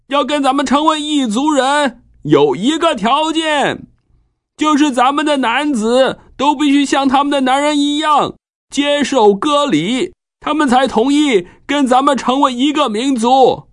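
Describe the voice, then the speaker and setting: High-pitched persuasive tribal chief. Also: male voice. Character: persuasive tribal chief addressing townsmen, loud and slow. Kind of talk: children's Bible story character voice.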